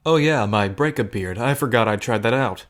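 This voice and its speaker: A man's voice: medium pitch, moderate pace, fairly bright tone, close to an everyday voice. A man playing an earnest, desperate bartender bluffing as a gambler, in naturalistic audio drama style. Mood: awkward, rambling.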